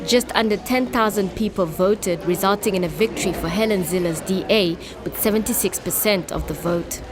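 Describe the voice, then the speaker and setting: A woman giving measured, scripted documentary narration. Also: mid-range voice, crowd noise.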